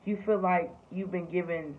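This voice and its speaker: A woman's voice: on the low side, fairly even intonation, moderate pace. Woman, tarot reader, casual and profane, lots of ums, tinny phone-like audio, faint hiss. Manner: loose, profane, filler-heavy talk.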